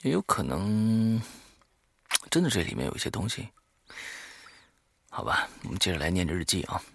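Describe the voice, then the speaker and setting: A man's voice: low voice, big pitch swings, moderate pace, vocal fry, fairly bright tone, husky, dry recording, studio quality. A man hosting a horror audio show, reading a diary aloud dramatically and breaking off for offhand, muttered asides.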